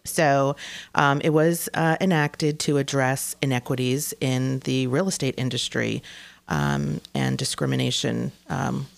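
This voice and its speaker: Low gravelly lady host, lots of ums, dry close sound. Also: animated, a little slow, no echo. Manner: many fillers and hesitations. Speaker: real estate show host. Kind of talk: casual explanatory chat.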